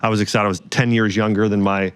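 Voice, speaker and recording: A man in his forties, a guest doctor, talking quickly in casual conversation, full of fillers and restarts. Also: lowish voice, little pitch movement, clear, resonant tone, no echo. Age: 40s.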